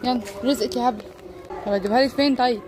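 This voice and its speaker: A woman's voice: fairly high pitch, rapid-fire, over music. A woman with an Egyptian Arabic accent vlogging outdoors, chatting and coaxing street animals in a teasing way. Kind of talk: casual vlog narration and talking to street animals. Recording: loud street traffic noise behind.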